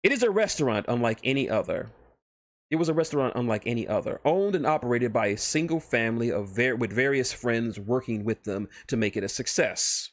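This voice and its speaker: A man talking casually and reading a story on a livestream, informal and halting, often correcting himself. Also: medium pitch, lively intonation, no room sound, clean studio sound. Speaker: streamer and fan fiction writer.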